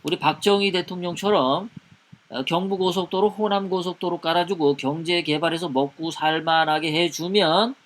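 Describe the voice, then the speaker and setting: Fast, high-voiced man commenting. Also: a little hiss or hum. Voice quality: hesitant, many fillers and drawn-out pauses. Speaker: political commentary host. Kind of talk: live-streamed political commentary, reading comments.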